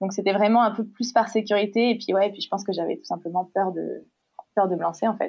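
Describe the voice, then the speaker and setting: Vocal fry marks a woman's medium-pitched voice as she speaks at a fairly quick pace with fairly even intonation. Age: 20s. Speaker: entrepreneur, brand founder. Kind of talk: casual interview chat. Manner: hesitant, many fillers.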